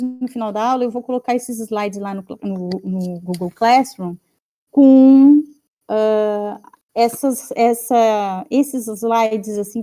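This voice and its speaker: A woman's voice: a little high, mellow. A woman with a Brazilian Portuguese accent teaching a grammar lesson in an online class, explaining patiently and ending phrases with "né?" and "tá?". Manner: explanatory, frequent "né?" and "tá?" tags.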